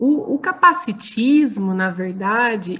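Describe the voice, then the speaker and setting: This woman's voice sits fairly high, with a bright, sharp tone and lively intonation. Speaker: guest speaker on neurodiversity. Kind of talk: talk and Q&A. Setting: video call.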